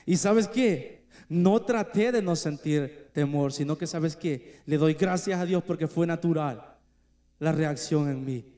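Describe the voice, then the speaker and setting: A man preaching in church, his voice mellow and on the higher side. He lingers on key words and lets phrases fall soft and low to press a point home. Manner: earnest preaching with slow emphatic phrases that drop quiet. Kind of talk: sermon.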